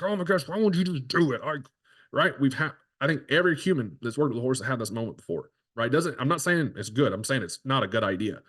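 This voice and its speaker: A man's voice: medium pitch, a bit bright. Brief: man, horse trainer and show host, mid-range voice, loose teaching talk with frequent restarts. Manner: conversational, keeps asking "right?". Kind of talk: casual instructional talk.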